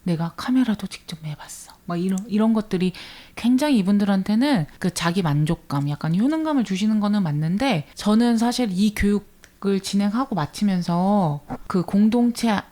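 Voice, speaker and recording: A woman, speaking as an interview guest and telling stories in an earnest, animated way in a radio studio. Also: medium pitch, moderate pace. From rural Jeolla region of Korea. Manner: earnest, animated storytelling with quoted voices. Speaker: guest, village media educator. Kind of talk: conversational interview.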